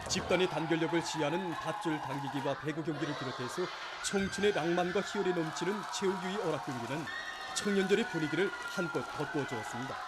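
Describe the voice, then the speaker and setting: A man's voice: fairly high pitch, quick pace, heavy background noise. A man with a North Korean accent narrating formal scripted news in a solemn, fervent, declamatory state-broadcast style. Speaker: news announcer.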